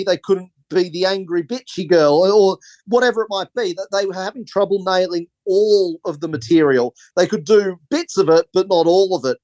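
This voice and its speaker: A man's voice: high-pitched, darkish tone, no room sound. A man, a film director, rambling through anecdotes in a casual interview and laughing often.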